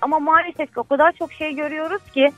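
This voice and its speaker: Woman caller, lawyer, speakerphone line, high and dry, earnest and outspoken. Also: fairly even intonation, fast, a bit bright, dry recording, faint music behind. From Istanbul, Turkey. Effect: phone call on speakerphone from a car. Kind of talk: live radio call-in chat.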